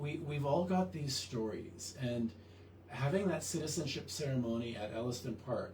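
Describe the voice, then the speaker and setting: A man speaks at a moderate pace with a Canadian accent and lively intonation. The recording has noticeable background noise and audible room echo. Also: medium pitch for a man. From Canada. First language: German. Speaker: festival organizer. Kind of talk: radio interview.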